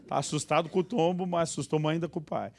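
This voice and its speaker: A pastor preaches with comic timing, his fairly high voice leaping into other characters' lines as he tells a story from the pulpit. The talk is lively and playful, aimed at a church congregation. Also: quick pace, gravelly. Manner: animated, acts out quoted dialogue with sudden high voices. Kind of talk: humorous storytelling sermon. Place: church service.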